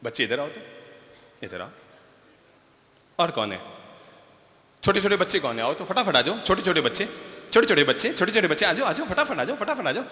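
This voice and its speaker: A man's voice: high-pitched, big pitch swings, brisk, long pauses, bright, forceful tone. A man preaching a live sermon in a large stadium, playfully coaxing people from the audience and quizzing them. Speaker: spiritual preacher. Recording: echoey stadium hall reverb.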